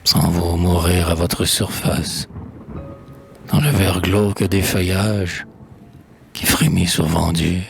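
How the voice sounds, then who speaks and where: Male poetry reader, low gravelly register, husky, solemn and measured delivery. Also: fairly even intonation, a little hiss or hum. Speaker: poet reading poems aloud. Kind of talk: solemn dramatic poetry recitation in French.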